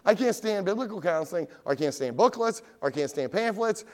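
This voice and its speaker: A middle-aged man preaching with a lively, swinging delivery that rises and falls all the time. His voice sits a little high for a man. He keeps firing rhetorical questions at the congregation in plain, everyday words. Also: fairly quick. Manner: asks the congregation direct questions. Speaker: pastor. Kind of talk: evening sermon.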